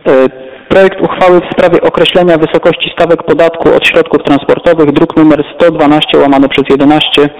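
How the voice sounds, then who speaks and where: A man's voice: fairly high pitch, little pitch movement. Formal man chairing a council vote. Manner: brisk, formal, polite. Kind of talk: formal procedural meeting chairing. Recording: echoey council chamber, dull lo-fi sound.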